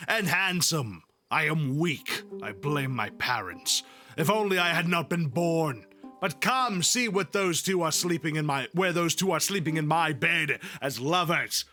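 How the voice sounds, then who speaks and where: A man voicing an aggrieved, self-pitying, furious god in a storybook reading, with a declamatory, drawn-out way of complaining. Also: on the high side, animated, bright, forceful tone, soft background music, voice pushed up. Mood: aggrieved, wounded.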